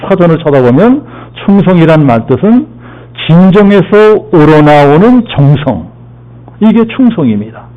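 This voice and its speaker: A man's voice: on the high side, highs cut off. A male pastor preaching a sermon, repeating key phrases, asking and answering his own questions, and leading the congregation through the reading. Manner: leads congregation in call-and-response and Bible lookup. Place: church sanctuary.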